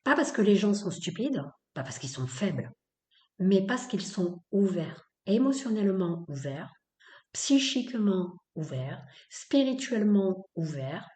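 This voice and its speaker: A woman's voice: mid-range voice, very animated, unhurried, a little mellow. Emphatic woman, echoey room. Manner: emphatic, repetitive, with many fillers; blunt, opinionated. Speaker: podcast host. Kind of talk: spoken-word episode.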